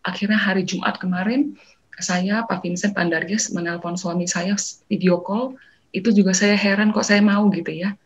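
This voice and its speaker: Woman telling a lively church testimony. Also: medium pitch, normal speed. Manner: lively storytelling, acting out quoted dialogue; mixes in English phrases. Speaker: testimony speaker. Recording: dull lo-fi recording.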